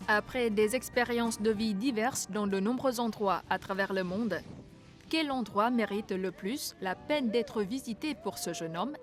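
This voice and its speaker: A woman narrating a news feature as a voice-over, reading in a measured way. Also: medium pitch, faint music behind.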